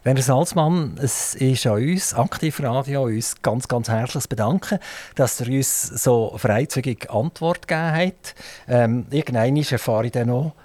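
A man's voice: medium pitch, unhurried, darkish tone, no echo. Swiss german radio guy interviewing, long rambling questions, dry booth sound. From Switzerland. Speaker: radio host. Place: radio studio.

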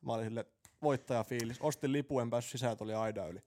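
On a laid-back podcast, this co-host trades crude banter in a medium-pitched voice that's a little mellow. His stories ramble, packed with swearing, and he cracks himself up at his own jokes.

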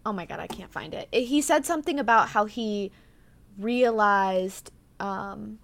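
A woman's voice: mid-range voice, a little slow, vocal fry, fairly bright tone, no room sound. A young woman co-hosting a true-crime podcast, telling a case in casual chat full of "like" and "um". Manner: chatty, full of "like" and "um", reads notes aloud. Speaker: podcast co-host.

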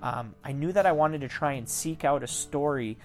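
A man hosting a casual interview podcast, from Michigan's Upper Peninsula, talking in a relaxed, rambling way full of restarts. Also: on the high side, moderate pace, soft background music. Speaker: podcast host.

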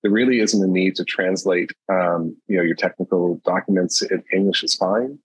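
A man speaking as a podcast guest in a measured, explanatory way. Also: sits low, slightly rough, no room sound, rough recording. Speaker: podcast guest, industry advisor. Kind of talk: conversational panel discussion.

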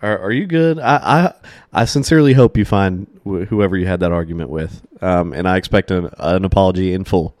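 A man's voice: sits low, fairly quick, darkish tone, no room sound. Teasing man in his thirties, dry sound. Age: 30s. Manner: teasing, mock-indignant, laughs a lot. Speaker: podcast host. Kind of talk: casual banter.

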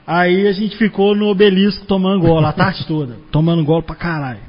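High-voiced podcast host. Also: male voice, steady tone, fairly quick. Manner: reactive, laughing, slangy interjections. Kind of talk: casual podcast chat. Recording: dull, lo-fi recording.

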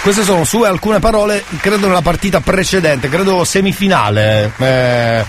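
A man's voice: sits high, moderate pace, noisy background. A man hosting live radio chat in an emphatic, theatrical, playfully indignant way. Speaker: radio host. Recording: loud music bed under voice. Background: loud music.

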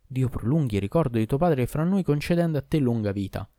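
A man's voice: mid-range voice, expressive, fairly quick, mellow, no room sound, studio quality, pitched above the performer's own voice, close to an everyday voice. A man voicing a fussy, long-winded old barber who talks pompously and pedantically in a storybook reading. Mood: flattering.

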